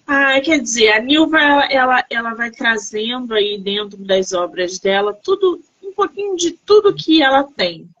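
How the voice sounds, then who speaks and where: A woman interviewer with a fairly high voice, full of admiring exclamations as she chats. Her sound is dull and muffled. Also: animated, normal speed, hardly any pauses, fairly bright tone. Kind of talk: casual interview chat.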